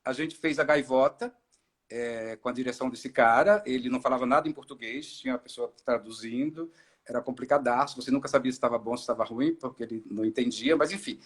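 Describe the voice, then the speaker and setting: A middle-aged man from Ceará, an actor and director, telling his story in a relaxed live-stream interview, with many fillers and restarts. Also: mid-range voice, quick pace, slightly rough. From Ceará, Brazil. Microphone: video call.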